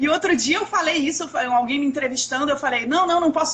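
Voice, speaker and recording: A woman talks at a fairly quick pace in a raised, projected, animated voice. Her pitch is high, with ordinary variation. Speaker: personal finance educator. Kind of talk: casual chat. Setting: Instagram live video.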